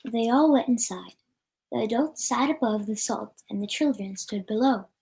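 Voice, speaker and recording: A woman's voice: on the high side, normal speed, creaky, warm tone, slight background noise. A woman reading a children's story aloud as a storyteller, with an occasional stumble over the words.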